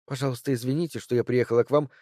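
Brief: poised, clever young woman, calm and measured, low mellow voice, dry sound, read by a male narrator. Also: dry recording, natural voice. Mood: composed. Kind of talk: audiobook character voice.

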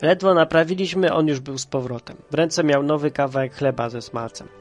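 A stuffy-nosed man with a head cold reads a children's story in a lively, playful way. His voice sits a little high, with faint music behind him. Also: a little fast. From Kraków, Poland. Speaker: storyteller and podcast host. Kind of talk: reading a children's story aloud.

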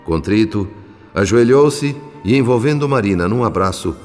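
A Brazilian actor playing a solemn spirit narrator in a radio drama, telling the tale in measured, literary diction. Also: male voice, fairly low pitch, animated, a little mellow, lightly acted. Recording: long reverb, music underneath.

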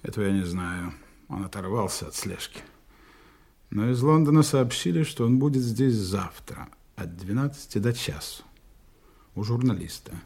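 An actor playing a smooth, authoritative German agent giving orders to his team in a radio play, speaking in calm, clipped tones. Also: on the low side, heavily acted. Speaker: intelligence operative commanding a team.

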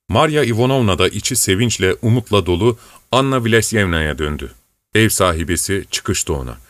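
A man narrating an audiobook in a steady, even storytelling manner. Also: fairly low pitch, dry recording.

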